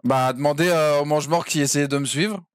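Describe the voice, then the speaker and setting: A man's voice: fairly high pitch, steady tone, fairly quick, clear, resonant tone, no room sound, clean studio sound. A man streaming a roleplay game as a cheeky defendant, talking in slang and laughing often. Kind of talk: in-character roleplay chat.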